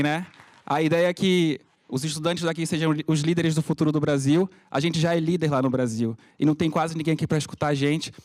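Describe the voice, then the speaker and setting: A thirty-year-old man with a Paraense Brazilian accent speaks informally in public. His voice is on the high side for a man, and he is frank and conversational, often adding tag questions. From Pará, Brazil. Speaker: content creator and community leader speaking at a conference. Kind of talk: informal unscripted public talk.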